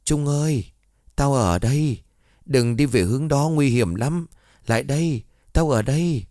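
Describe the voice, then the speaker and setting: A man's voice: mid-range voice, lively intonation, moderate pace, darkish tone, no echo, clean studio sound, natural voice. A man voicing a young man's urgent ghost. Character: young male friend's ghost, frightened and resigned.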